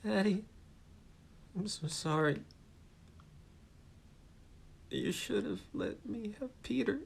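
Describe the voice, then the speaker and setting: A man voicing a distraught, bitter daughter who talks haltingly and breaks off mid-sentence. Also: sits high, lively intonation, gravelly, breathy edge, heavily acted. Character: distraught middle-aged daughter, bitter and unhinged. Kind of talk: dramatic story reading.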